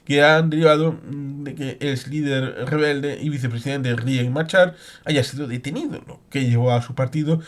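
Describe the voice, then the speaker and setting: A man reading news reports aloud with commentary, in a halting delivery with hesitant pauses and asides. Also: mid-range voice.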